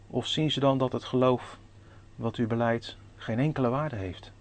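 Ernstige mannelijke predikant. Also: male voice, medium pitch, fairly even intonation, moderate pace. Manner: earnest, addresses the congregation directly with questions; reads scripture in old-fashioned formal Dutch. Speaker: preacher. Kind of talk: sermon with Bible reading.

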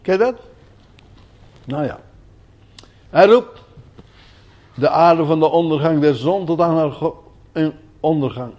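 Older man preaching, high voice, unhurried. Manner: folksy, swings from quiet asides to loud emphatic repetition. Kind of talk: sermon.

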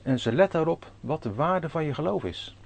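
A man preaches a sermon, earnestly questioning the congregation and reading scripture aloud in old-fashioned formal Dutch. His voice is on the high side, expressive and fairly quick, with vocal fry.

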